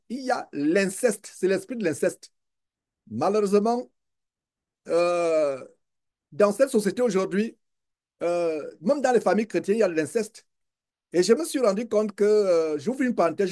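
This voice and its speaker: A man's voice: sits high, darkish tone. A man preaching to his listeners, exclamatory and addressing them directly. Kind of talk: sermon commentary.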